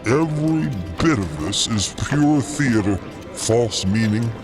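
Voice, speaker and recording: A man's voice: mid-range voice, lively intonation. A man voicing an awestruck, gleefully mocking cosmic creature with theatrical, grandiloquent phrasing in a fiction podcast. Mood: awed amusement. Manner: slow, theatrical, amused, grandiloquent. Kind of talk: narrated fiction podcast character acting. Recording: music behind the voice.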